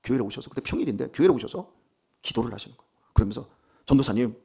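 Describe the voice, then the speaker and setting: A man's voice: mid-range voice, lively intonation, very fast, vocal fry, dark tone, breathy edge. A male pastor delivering a dawn sermon, fervent and emphatic, telling the stories dramatically.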